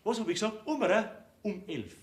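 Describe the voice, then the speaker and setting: An actor with a Bavarian accent playing a bossy, self-righteous middle-aged farmer father who shouts orders, on a theater stage. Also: sits high, lively intonation, fairly quick. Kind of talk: folk theater comedy acting. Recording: echoey stage recording.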